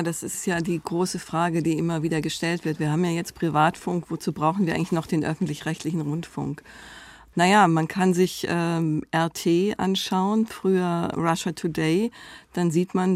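A woman's voice: lowish voice, steady tone, normal speed, darkish tone, dry recording. A woman answering as an interview guest, giving her opinion in a considered, conversational way. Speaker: panel guest.

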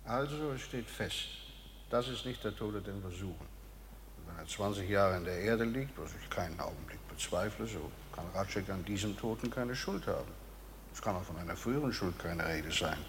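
A man acting in a German radio drama as a stern justice official, speaking with formal, deliberate authority. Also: sits low, expressive, background noise. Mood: formal, probing.

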